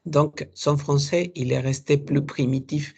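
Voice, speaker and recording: Man, French tutor, raspy, gravelly, patient explaining, lots of fillers. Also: on the high side, steady tone. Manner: explains patiently, imitates accents, halting with many fillers. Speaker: French teacher.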